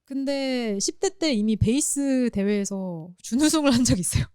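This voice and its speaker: A woman co-hosting a casual podcast chat, explaining music in an animated way and sometimes imitating sounds. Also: a little high, normal speed, clear, resonant tone, no room sound, studio quality.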